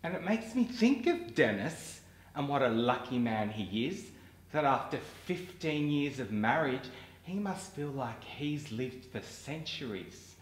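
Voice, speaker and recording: A man in his thirties performing a sarcastic, deadpan monologue in a studio. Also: mid-range voice, unhurried, roomy sound, rough recording. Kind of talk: acted monologue. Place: studio with plain grey backdrop.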